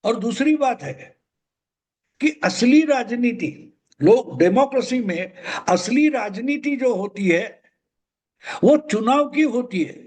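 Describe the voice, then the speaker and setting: Older male commentator, very high voice, emphatic and repetitive solo monologue. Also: expressive, slow pace, long pauses, darkish tone. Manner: emphatic, repeats points. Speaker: political commentator.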